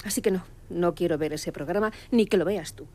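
An actress playing a brisk, irascible middle-aged head chef in an audio drama, with a Castilian Spanish accent. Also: female voice, lowish voice, a little mellow, close to an everyday voice. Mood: subdued, resigned.

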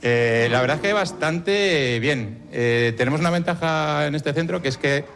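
A man's voice: a little high, moderate pace, creaky. A man from Madrid with a Spanish accent, a preschool teacher, answering interview questions and explaining patiently. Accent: Spanish from Spain. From Madrid, Spain. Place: school classroom.

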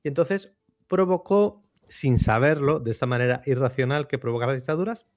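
A man talking through a book and its author in a relaxed radio chat, with thoughtful pauses and tag questions. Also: mid-range voice, no room sound, clean studio sound. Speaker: book commentator on a radio show. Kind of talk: conversational book commentary.

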